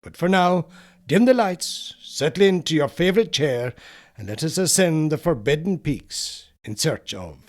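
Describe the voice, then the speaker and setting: With a slightly high, expressive voice, a man tells a scripted horror story for an audiobook in a solemn, measured way. Dramatic pauses punctuate his reading, and his phrases tend to fall away as they finish.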